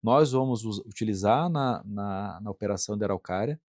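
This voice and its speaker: A man's voice: fairly low pitch, normal speed, darkish tone, no room sound, studio quality. A middle-aged Brazilian man, an industrial plant manager, answering interview questions earnestly and thinking aloud, often checking in with tag questions and repeating words. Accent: Brazilian Portuguese.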